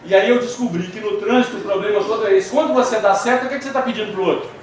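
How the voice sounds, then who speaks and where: High-voiced Brazilian man lecturing in an echoey hall. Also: rapid-fire. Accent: Brazilian Portuguese. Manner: conversational, asks the audience questions; tells anecdotes with humor. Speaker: spiritist lecturer. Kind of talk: lecture to an audience. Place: spiritist center hall. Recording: echoey hall, distant mic, faint noise.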